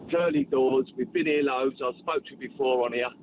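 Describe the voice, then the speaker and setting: A man calling a sports radio show, talking excitably and repeating himself. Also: mid-range voice, fairly quick, slight background noise. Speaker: caller, football fan. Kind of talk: phone-in call. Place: travelling home. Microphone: phone. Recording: tinny phone line.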